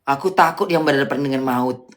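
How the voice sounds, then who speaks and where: A woman's voice: extremely low pitch, fairly quick. A woman hosting a casual livestream, blunt and scolding, often firing off rhetorical questions. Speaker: livestream host.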